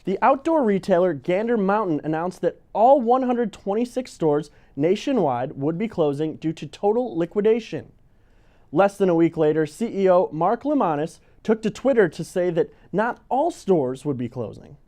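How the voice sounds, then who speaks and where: Male local newsreader, high pitch, mellow tone, reading scripted items. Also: lively intonation, moderate pace. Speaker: local news presenter. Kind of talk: scripted news narration.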